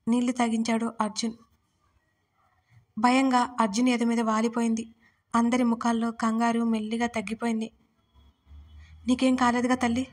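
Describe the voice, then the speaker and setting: Woman narrator, scripted storytelling, slightly high voice, even and flat. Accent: Telugu. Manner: voices characters' lines with small shifts.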